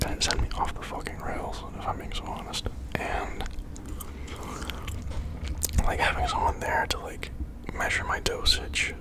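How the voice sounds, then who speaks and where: Breathy, fully whispered ASMR rambler. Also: very high voice, low-quality recording. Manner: informal, halting, confiding, with frequent tag questions. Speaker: ASMR creator.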